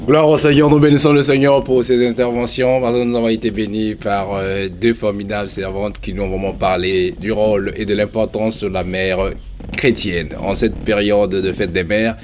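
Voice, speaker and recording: A man's voice: lowish voice, flat delivery, moderate pace, darkish tone, a little hiss or hum. A man hosting a church interview, speaking hesitantly with many fillers. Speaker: host and interviewer.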